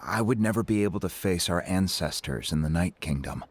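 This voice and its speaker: An actor playing a dignified, earnest middle-aged tribal chief in a video game, speaking formally and courteously. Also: male voice, low-pitched, expressive, brisk, no echo. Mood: solemn, earnest.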